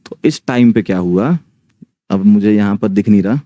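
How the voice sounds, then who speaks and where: Chatty low-voiced man telling a story. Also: moderate pace, warm tone, no echo. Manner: chatty, keeps checking in with the listeners. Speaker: online teacher telling a ghost story. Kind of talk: casual storytelling to a live audience.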